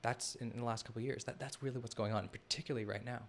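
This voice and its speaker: Speaking very fast in a steady tone, a man with a mid-range voice hosts a live analysis stream against slight background noise. His talk over the map is loose and rambling, full of restarted, self-corrected sentences, and he often turns to the chat.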